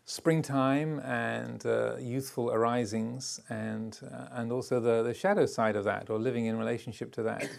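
An older man gives a calm dharma talk to a retreat group. His voice sits at an ordinary male pitch and carries a gravelly edge. He pauses often and restarts his phrases as he thinks aloud. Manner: halting and reflective, with frequent hesitations. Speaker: Buddhist teacher.

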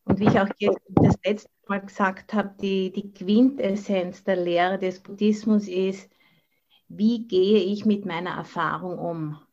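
The audio is dull and band-limited, like a video call. A woman with an Austrian German accent speaks at a medium pitch, teaching in an informal dharma talk. She slips English words in among the German. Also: steady tone, measured pace, darkish tone. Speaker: Buddhist nun and meditation teacher. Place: online video call from the monastery.

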